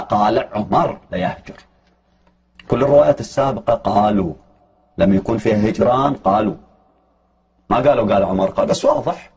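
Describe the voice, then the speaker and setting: A man's voice: medium pitch, darkish tone, slightly rough. A man giving a heated, argumentative religious lecture, pressing his points with emphatic challenges.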